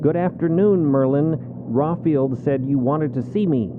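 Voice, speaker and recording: A man voicing a formal, veiled supernatural male elder with ornate, measured diction in an audio drama. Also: fairly high pitch, phone-quality sound, noisy background, lightly acted. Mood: solemn, courteous.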